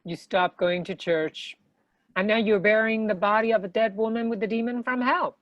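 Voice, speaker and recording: A pragmatic female accomplice in a horror comedy, played by a woman reading a script. Her mid-range voice is deadpan and matter-of-fact, recorded with very little room sound. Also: medium pitch, moderate pace, no room sound, lo-fi sound, lightly acted. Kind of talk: comedy script table read.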